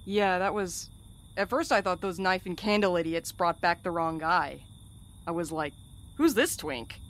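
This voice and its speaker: An actress playing a defiant, sarcastic, blunt courier in an audio drama, talking in a casual way. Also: female voice, fairly low pitch, a little slow, a bit bright. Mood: wry, casual.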